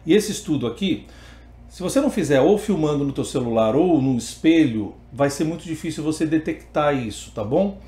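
A man's voice: a little high, expressive, brisk, dark tone, reverberant. A man with a Brazilian Portuguese accent teaching an online singing lesson, explaining step by step between sung vowel demonstrations. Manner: explains step by step, then sings vowel examples.

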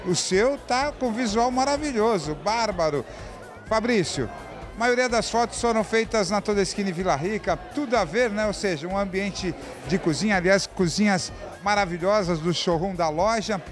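At a crowded evening party, a man with a Brazilian Portuguese accent hosts and interviews guests using a handheld mic, showering them with compliments. His voice is high and expressive at a normal speed, and the upbeat, enthusiastic exchange plays over soft background music.

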